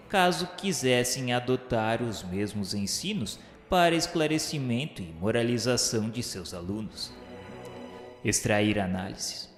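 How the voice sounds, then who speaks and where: A male actor narrates a radio novel as a mournful Brazilian male spirit, solemnly recounting his afterlife trials in a grave, declamatory, measured literary delivery that is stately and unhurried. His natural, mid-pitched voice is echoey with long reverb, set over background music.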